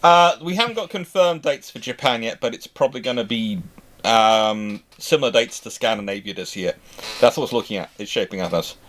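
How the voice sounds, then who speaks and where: A man's voice: medium pitch, animated, brisk, a bit bright. A man hosting a casual livestream chat, talking in a rambling, stop-start way that doubles back on words. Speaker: livestream host.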